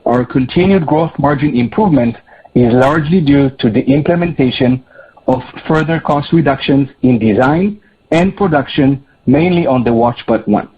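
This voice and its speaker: A man speaking as a chief executive, reading prepared earnings remarks in a formal, measured business manner. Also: mid-range voice, a little hiss or hum. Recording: slightly dull, lo-fi conference call audio.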